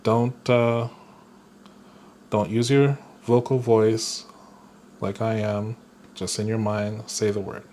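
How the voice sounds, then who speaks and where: Male spiritual teacher, unhurried, mid-pitched, faint hiss behind him. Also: little pitch movement, a little mellow. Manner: slow, deliberate, with playful chuckles. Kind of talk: guided spiritual lesson.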